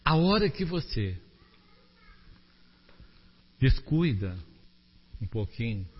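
A man preaching a sermon, animated, asking the congregation rhetorical questions. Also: medium pitch, slow, husky, long reverb tail, dull audio.

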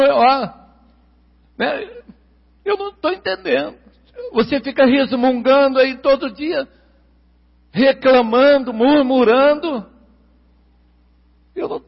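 A man's voice: very high-pitched, vocal fry. Brazilian male preacher, emphatic sermon delivery, muffled lo-fi recording with a long hall reverb. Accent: Brazilian Portuguese. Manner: emphatic, repeats key words, stretches them slowly.

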